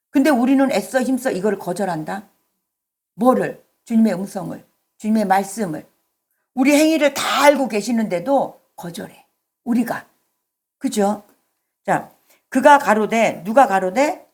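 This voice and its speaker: A woman's voice: medium pitch, a little mellow. A woman pastor preaching a sermon in a conversational way, often putting questions to the congregation. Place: church service.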